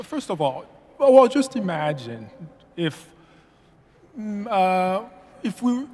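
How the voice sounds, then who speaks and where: A man from Haiti giving public comment at a meeting, halting and full of fillers and restarts. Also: high voice. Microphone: podium mic. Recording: long reverb of a meeting hall.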